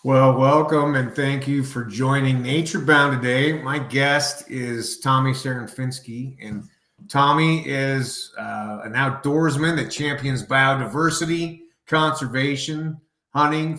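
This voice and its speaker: A man's voice: mid-range voice, steady tone, a little slow, a bit bright. A man hosting a podcast interview in a conversational style. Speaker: podcast host. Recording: echoey, roomy sound.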